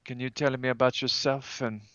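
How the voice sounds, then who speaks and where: Male tabletop player, casual, bright forceful tone, dry but slightly lo-fi audio. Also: mid-range voice, level tone, a little fast, no room sound. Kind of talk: casual game chat.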